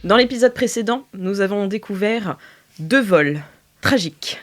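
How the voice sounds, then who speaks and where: A woman's voice: medium pitch, lively intonation, a little slow, over loud music. A woman narrating as game master of an improvised tabletop game, hesitant and full of filler sounds. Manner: hesitant, many filler sounds, laughs often.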